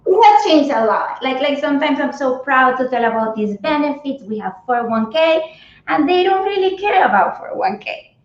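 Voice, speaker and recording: A fairly high-voiced woman from Colombia talks earnestly through her answers, circling back and repeating words as she goes. Her voice comes through a dull, muffled video call from an echoey room. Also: very animated, moderate pace. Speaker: cannabis company HR guest. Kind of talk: interview answers. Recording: echoey, dull remote audio.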